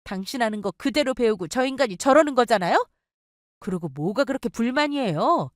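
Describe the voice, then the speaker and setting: A woman voicing a furious wife who scolds with sharp contempt. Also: fairly high pitch, expressive, a little fast, no room sound, studio quality, lightly acted. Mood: scornful.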